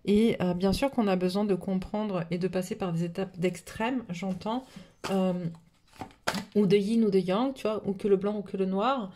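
A woman's voice: medium pitch, moderate pace, warm tone. Brief: woman with a cold, rambling card reader, plenty of fillers, faint noise behind. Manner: rambling, many fillers and restarts. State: has a cold. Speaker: tarot reader. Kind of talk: casual spiritual card reading. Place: home table, camera above the cards.

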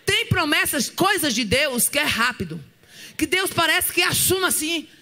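A woman preacher, telling a story in a fervent sermon that breaks into shouts. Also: sits high, sing-song, normal speed. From Northeast Brazil. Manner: shouting bursts and tongues, fervent.

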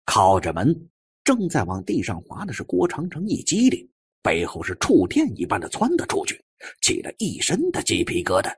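A man's voice: fairly low pitch, huge pitch swings, moderate pace, slightly rough, no room sound, clean studio sound. A man reading an audiobook as a dramatic, scripted narration.

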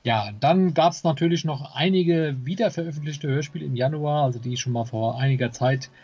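A man's voice: on the high side, a little fast, darkish tone, husky. A man co-hosting a podcast, casually announcing new releases in a slightly lo-fi recording. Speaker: podcast co-host. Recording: slightly dull, lo-fi sound.

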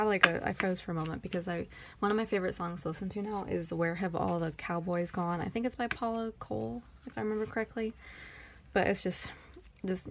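A woman's voice: lowish voice, gravelly, a little hiss or hum. A woman with a Texan accent chatting casually through a planner sticker haul, rambling and thinking aloud. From Texas. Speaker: planner vlogger.

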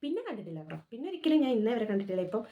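A woman's voice: fairly high pitch, rapid-fire, dull audio. Woman telling a spooky story. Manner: animated, lively retelling with frequent restarts. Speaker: vlogger. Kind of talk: casual storytelling.

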